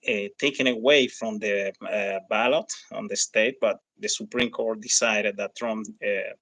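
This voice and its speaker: A man with a Hispanic accent and native Spanish delivers live commentary in a fairly low voice with a bright, forceful edge. He talks haltingly, hunting for the next word as he addresses his viewers. The sound is dry and close, with little room around it. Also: no echo, poor audio. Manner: halting, searching for words. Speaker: livestream host.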